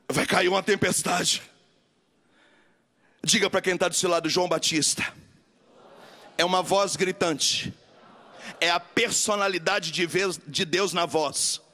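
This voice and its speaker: A man with a Brazilian Portuguese accent preaching a sermon, emphatic and repetitive, building to shouted refrains. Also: high-pitched. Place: large church camp gathering.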